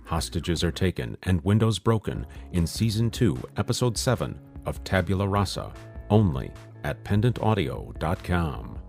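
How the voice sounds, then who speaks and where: Very deep, gravelly male trailer narrator. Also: big pitch swings, normal speed, darkish tone, faint music behind. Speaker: preview narrator. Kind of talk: dramatic scripted trailer narration.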